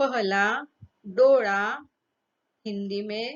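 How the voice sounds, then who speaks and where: A woman speaks with a Marathi accent. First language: Marathi (speaking Hindi). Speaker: school teacher. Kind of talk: online lesson for schoolchildren. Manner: slow, clear explanatory.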